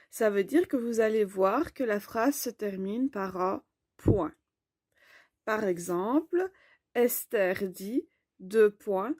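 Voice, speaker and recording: A woman teaching a grammar lesson in a slow, clear, explanatory way. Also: mid-range voice, darkish tone, dry recording, clean studio sound.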